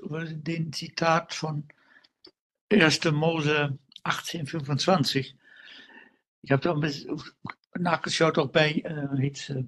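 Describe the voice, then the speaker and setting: A man with a husky, somewhat high voice joins a seminar discussion over a video call. He speaks hesitantly, pausing to search for his words. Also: a bit bright, low-quality recording. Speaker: seminar participant. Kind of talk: casual discussion.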